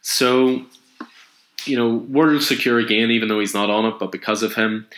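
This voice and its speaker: A man's voice: medium pitch, level tone, moderate pace, fairly bright tone. A man casually and enthusiastically retelling a comic book story, rambling with fillers. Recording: echoey room.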